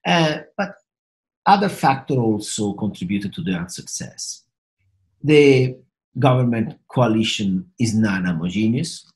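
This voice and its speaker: A middle-aged man from Italy with an Italian accent, explaining in a halting, hesitant way with many fillers and repeated words, like a professor speaking to a webcam. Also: fairly low pitch, animated, a little mellow. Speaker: professor of finance and risk management. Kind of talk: explanatory talk to camera. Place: small indoor home office with bookshelves.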